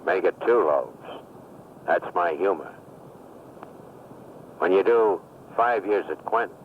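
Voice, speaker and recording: A man's voice: low voice, narrow, tinny audio, a little hiss or hum. A man playing a streetwise ex-convict who talks pushy jive slang, heard on an old worn answering-machine tape. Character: fast-talking male ex-con just out of prison.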